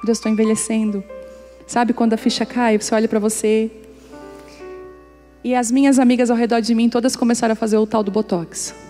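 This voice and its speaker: Woman pastor telling stories, mellow voice. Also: fairly high pitch, level tone, fairly quick, in a large hall, faint music behind. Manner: storytelling, acts out dialogue, jokes with congregation. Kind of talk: sermon with personal stories.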